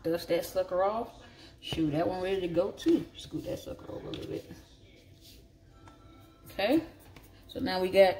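In a darkish mid-range voice, a home cook from the southern United States speaks with a Southern African American English accent. Folksy and salty, she thinks out loud as she works at her home kitchen counter, chatting casually for a cooking vlog. It's a noisy home recording with clicks.

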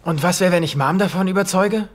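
A man's voice: sits high, a little fast, noisy background, close to an everyday voice. A man playing a sullen, dim teenage son in a dubbed sitcom. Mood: dopey, hopeful.

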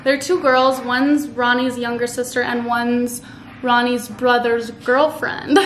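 A bubbly young woman with a high, bright voice chats away to her camera about the presents she's wrapping, dropping "like" into nearly every sentence. The sound is roomy and echoey, with a steady noise bed behind her in a living room. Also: slow. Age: young adult. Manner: bubbly, chatty, lots of "like" fillers. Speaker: vlogger. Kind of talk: casual chat to camera. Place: living room at home, indoors. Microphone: camera across a table.

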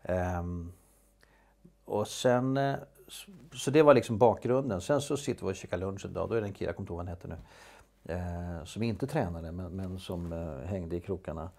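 A man with a low, gravelly, dark voice recounts stories casually as a guest in an interview; he is an actor. His delivery is halting, full of fillers and restarts.

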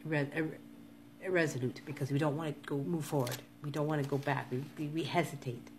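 A woman in her fifties with a low, steady voice talks briskly to live-stream viewers over background noise. Her casual monologue is earnest and repetitive, full of motivational urging.

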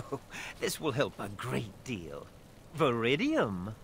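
A courteous, slow-spoken fantasy smith. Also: male voice, mid-range voice, wildly swooping pitch, a bit bright, heavily acted. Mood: pleased, deferential. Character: courteous, obliging male smith serving his commander. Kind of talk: fantasy video game acting. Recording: game audio with background noise.

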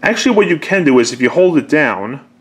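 A man's voice: on the high side, expressive, brisk, slightly rough. A man talking casually and unscripted, explaining a product step by step in a conversational way. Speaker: presenter demonstrating an old answering machine.

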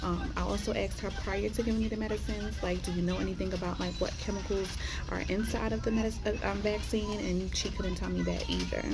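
A woman's voice: medium pitch, vocal fry. A woman in her thirties talking informally to her phone at arm's length in a casual vlog. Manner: informal, conversational. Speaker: vlogger. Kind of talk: casual storytime vlog chat. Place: small spaces: pharmacy corner, then parked car. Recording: music behind the voice.

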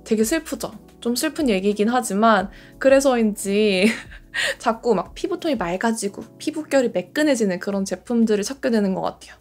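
Chatty high-voiced woman in her late twenties. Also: lively intonation, normal speed, faint music behind. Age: late 20s. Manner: chatty, gushing about products. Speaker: beauty creator. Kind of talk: casual skincare vlog talk. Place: bedroom in front of a door.

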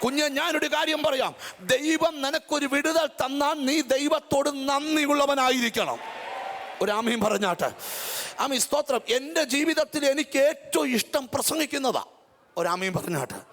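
A middle-aged woman preaching a fiery revival sermon, telling stories dramatically and breaking into shouts between amens and hallelujahs. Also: high voice, moderate pace, some chatter behind. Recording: long echo of a large hall.

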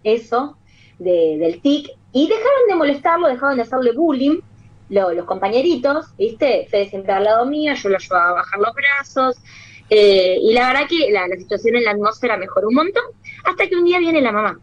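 A woman's voice: on the high side, moderate pace, muffled recording. A woman with an Argentine Rioplatense accent, a children's singer, telling stories in a casual interview and acting out the voices of the people in them. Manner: animated, acts out the voices of people in her stories.

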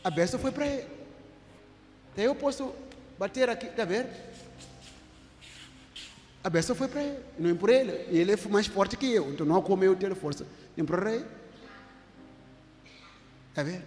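A male apostle preaching and demonstrating healing before a congregation, talking emphatically and repeating himself, sometimes rising to shouts. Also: high-pitched, expressive, a little fast, pauses often. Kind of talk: sermon with live healing demonstration. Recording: echoey hall with faint noise.

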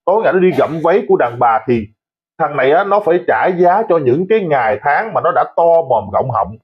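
A man's voice: on the high side, expressive, fairly quick, husky, lo-fi sound. A man giving a heated, mocking commentary monologue, scolding and insulting his critics. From Vietnam. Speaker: online commentator.

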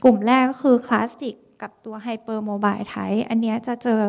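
Woman doctor lecturing, slightly high voice w/ some vocal fry, explains step by step. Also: fairly even intonation, measured pace, a little mellow. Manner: explanatory, mixes English medical terms, frequent polite particles. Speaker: dermatology lecturer. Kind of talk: medical lecture.

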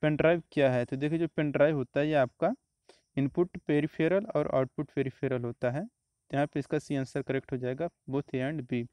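A man, teaching exam questions step by step in a steady, explanatory way. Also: on the high side, normal speed, no room sound. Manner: steady explanatory, repeats answers, frequent "तो देखिए" and "आपका".

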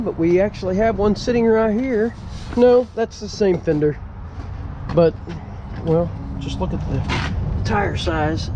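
A congested man in his forties rambles cheerfully in a fairly high voice, his talk loose and self-deprecating. He films himself outside on an action camera at arm's length, the sound a little dull with faint outdoor noise behind him. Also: a little mellow. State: congested, stuffy nose. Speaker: channel host. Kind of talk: casual walkaround vlog. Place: outdoor tractor dealer lot. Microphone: action camera held at arm's length.

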